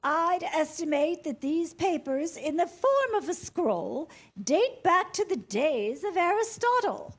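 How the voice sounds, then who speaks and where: A woman playing a pompous antiques appraiser, formal and measured, in a comedy staged reading. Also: extremely high pitch, sing-song, exaggerated voice. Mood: pompous, impressed.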